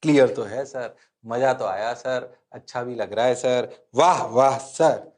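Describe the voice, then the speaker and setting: A man's voice: mid-range voice, measured pace, voice pushed down, lightly acted. A male physics teacher putting on the voice of an eager student who answers him meekly, repeating "sir". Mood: pleased. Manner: soft, meek replies, repeating "sir".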